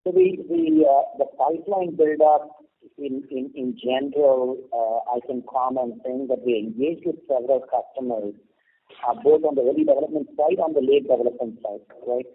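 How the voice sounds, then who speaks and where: A man explaining business matters as a company executive on an earnings call, in a measured, explanatory way. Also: mid-range voice, very animated, vocal fry. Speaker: company executive answering analysts. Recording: muffled, narrow phone conference line.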